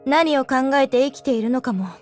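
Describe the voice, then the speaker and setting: A woman playing a calm, boyish young woman soldier who speaks in a level, matter-of-fact way. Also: high-pitched, normal speed, close to an everyday voice. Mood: steady. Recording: faint music underneath.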